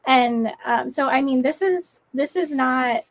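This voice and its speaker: An outspoken woman guest talks over a video call, pressing her points with conviction. Her voice sits a little higher than usual. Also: unhurried. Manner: emphatic, opinionated. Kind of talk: casual live-stream chat.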